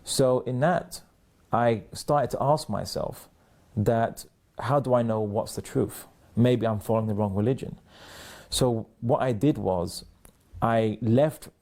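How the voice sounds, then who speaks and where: Gravelly, low-voiced man with halting speech. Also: warm tone. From London, England. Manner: halting, many restarts and fillers, thoughtful. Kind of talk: personal testimony, reflective storytelling.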